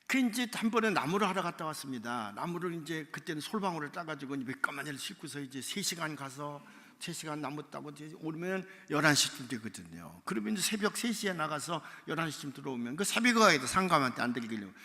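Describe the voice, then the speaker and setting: A man preaching a revival sermon in a church, telling a story and acting out its dialogue, sometimes shouting and crying out the lines. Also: on the high side, sing-song, fast talker. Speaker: pastor. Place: church sanctuary. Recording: church hall reverb.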